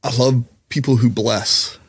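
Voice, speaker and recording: A middle-aged man, a musician and comedian, talking candidly on a podcast in a slightly raspy voice, mixing jokes with reflection. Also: mid-range voice, fairly even intonation, unhurried, no room sound. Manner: candid, reflective, jokey storyteller. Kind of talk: casual conversational interview.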